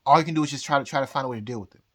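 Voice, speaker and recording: A man in a rambling, drunk-sounding personal rant, halting and repeating his phrases, speaking emphatically and defiantly. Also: mid-range voice, fairly bright tone. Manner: emphatic, defiant talk of fate and God. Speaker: astrologer.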